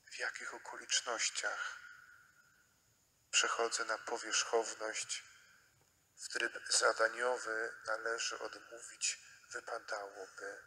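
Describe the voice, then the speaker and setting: Slow, forceful priest preaching. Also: male voice, medium pitch, rough recording. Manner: solemn, measured, with deliberate pauses. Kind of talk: homily and Gospel reading at Mass. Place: inside a church.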